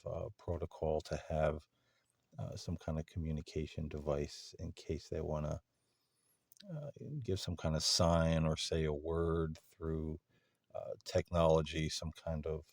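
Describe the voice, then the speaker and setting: A man talking casually and unscripted to camera as a paranormal vlog host, with a halting delivery that pauses mid-sentence. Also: sits low, creaky, darkish tone, dry recording, studio quality. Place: parking lot at night.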